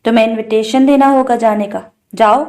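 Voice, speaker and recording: A woman's voice: on the high side, steady tone, darkish tone, natural voice. A woman voicing a harsh, threatening old patriarch in a storybook reading. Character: harsh angry older man, family patriarch.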